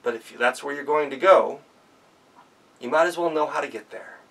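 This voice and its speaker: A man voicing a very short, wise male elf who gives slow, measured directions. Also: a little high, creaky, fairly bright tone, recorded from a distance, rough recording. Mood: solemn.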